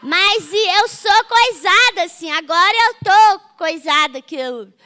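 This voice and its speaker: High bright older woman, Minas Gerais accent. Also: expressive, a little slow. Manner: humorous, keeps asking "não é?". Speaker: guest author. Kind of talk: folksy storytelling on a festival panel.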